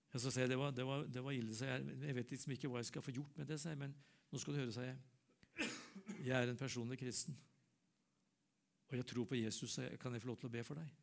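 An older man, preaching and telling a personal story, acting out the dialogue and dropping to a soft, low voice for quoted prayer.

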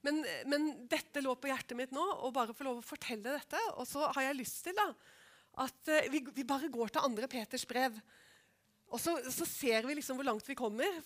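High-voiced woman preaching a testimony. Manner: animated storytelling, asks listeners "skjønner du?". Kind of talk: testimony sermon.

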